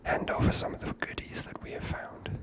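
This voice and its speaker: A person giving ASMR game commentary in a soft, unvoiced whisper, gently musing aloud. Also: brisk. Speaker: video game player and narrator.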